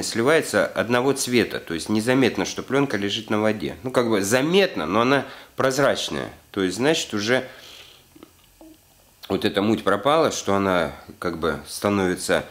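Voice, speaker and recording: A man's voice: on the low side, lively intonation, normal speed. Man explaining a workshop hands-on tutorial. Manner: explanatory, repeats "то есть", filler-heavy. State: slightly ill. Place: indoor garage workshop. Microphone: camera mic, handheld close.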